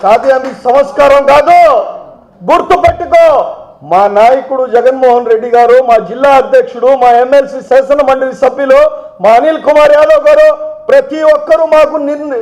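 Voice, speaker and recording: A man's voice: very high-pitched, steady tone, a little fast, darkish tone, rough recording. A middle-aged man speaks. He delivers a heated party press statement, accusing and mocking with rhetorical questions. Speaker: political party spokesman.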